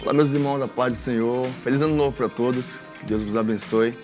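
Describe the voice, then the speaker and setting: A man from Maranhão, a gospel singer guest on a studio talk show, relaxed and casual as he tells his story. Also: mid-range voice, fast talker, music in the background. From Maranhão, Brazil. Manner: relaxed storytelling, uses "galera" and "cara". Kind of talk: casual testimony interview.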